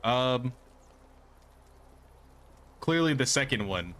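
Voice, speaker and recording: A man's voice: medium pitch, expressive, very slow, fairly bright tone, a little hiss or hum. A man giving casual, rambling gameplay commentary as a streamer, thinking aloud as he goes. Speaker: game streamer. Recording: game music behind. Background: game music.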